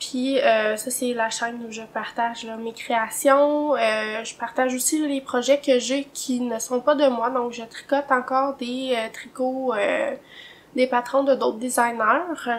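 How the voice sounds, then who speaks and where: Amid noticeable background noise, a woman with a Quebec accent speaks very slowly in a high pitch, with fairly even intonation and big swings in loudness. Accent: Québécois. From Quebec, Mauricie. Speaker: knitting designer and podcaster. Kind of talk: casual knitting podcast chat. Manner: hesitant with many fillers.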